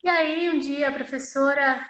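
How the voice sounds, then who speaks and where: A woman's voice: sits high, steady tone, normal speed, fairly bright tone, reverberant, low-quality recording. A woman interpreting live, voicing a deaf signer's personal story in the first person, in a conversational way with frequent tag questions and repeated phrases.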